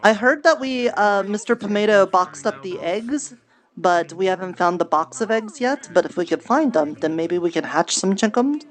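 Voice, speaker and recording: A woman's voice: mid-range voice, animated, moderate pace, close to an everyday voice. A woman voicing a friendly, naive kobold cleric in an improvised roleplay game, rambling earnestly and stumbling over words. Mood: chatty. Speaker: roleplay streamer. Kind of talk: improvised in-character virtual reality roleplay chat.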